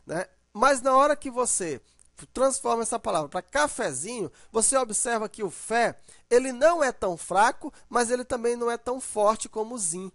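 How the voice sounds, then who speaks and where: A man's voice: high-pitched, dry recording, studio quality. A man teaching an online grammar lesson. He explains patiently, draws out example words to show the stressed syllable, and often checks in with "né?" or "ok?".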